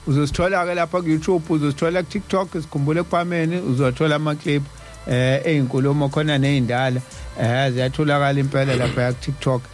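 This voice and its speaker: A man's voice: on the high side, steady tone, quick pace. A man with a South African accent hosting live radio in casual talk, often stammering and repeating syllables as he goes. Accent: South African Zulu-speaking. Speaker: radio host. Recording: music behind the voice. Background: music.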